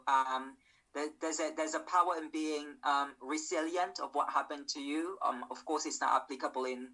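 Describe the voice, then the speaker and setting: A man's voice: on the high side, sharp tone, poor audio. A man, chatting about mental health in a hesitant way, full of ums and repeated words. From Philippines. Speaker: mental health advocate and event host. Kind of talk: casual conversation.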